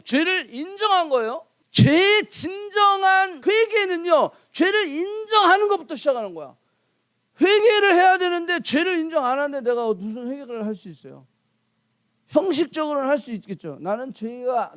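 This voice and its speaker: A man preaching a sermon, telling a folk tale with playful, animated delivery and asking the congregation questions. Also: very high-pitched, no echo. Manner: animated, playful, acts out characters. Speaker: pastor. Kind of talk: sermon with lively storytelling.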